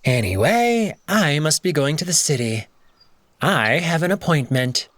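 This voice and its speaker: A man's voice: a little high, very animated, unhurried, a bit bright, dry recording, pitched above the performer's own voice. A man voicing a haughty, resentful male white wolf with a cold, clipped manner, in a visual novel reading. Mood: curt.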